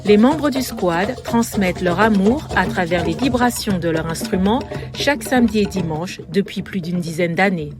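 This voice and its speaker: A woman reporter reading a scripted news feature narration in a measured, lyrical way. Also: mid-range voice. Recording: voice-over with music bed.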